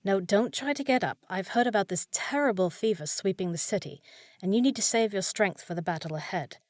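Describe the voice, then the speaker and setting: A woman's voice: medium pitch, a little fast, no echo, lightly acted. Woman acting a fussy, caring young housekeeper, close-up. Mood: worried, caring. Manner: scolding yet caring, flustered, proper. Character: short, fussy young village housekeeper devoted to a wizard. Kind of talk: scripted fantasy audio roleplay, spoken to listener.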